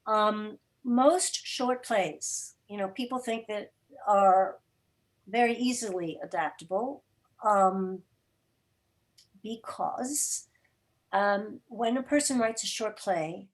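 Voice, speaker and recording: A woman speaking as a guest producer on a video call, explaining her work in a thoughtful, halting, conversational way. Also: medium pitch, poor audio. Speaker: guest, producer of an audio theater program. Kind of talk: conversational explanation in an online group meeting.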